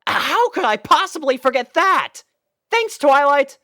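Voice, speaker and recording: A woman voicing a young male dragon in a storybook reading, eager and bashful, with a hesitant, excitable manner. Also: high voice, unhurried, no echo, studio quality, voice pushed up, full character voice. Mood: startled panic.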